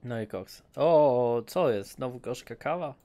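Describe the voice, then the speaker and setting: A man's voice: medium pitch, expressive, moderate pace, a little mellow. A man giving loose, casual commentary over a game he plays, joking and swearing as he goes. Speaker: gaming streamer. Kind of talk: casual let's-play commentary.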